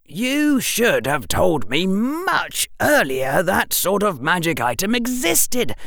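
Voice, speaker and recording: A woman's voice: mid-range voice, big pitch swings, slow pace, creaky, fairly bright tone, no room sound, clean studio sound, pitched above the performer's own voice, full character voice. A woman voicing a clever, eager eleven-year-old boy who argues in an earnest, wheedling way. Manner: earnest, wheedling, lawyerly reasoning.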